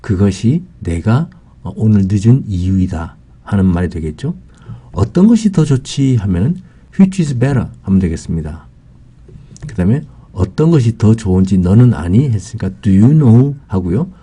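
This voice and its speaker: A man's voice: lowish voice, big pitch swings, normal speed, dark tone, breathy edge. A man teaching English grammar, explaining example sentences step by step with frequent "ah" fillers.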